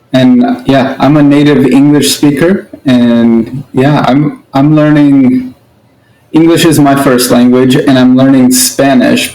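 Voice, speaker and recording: A man's voice: mid-range voice, gravelly, mellow. A young man who is a graduate student, talking casually and loosely with restarts as a guest on a live stream. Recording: echoey room.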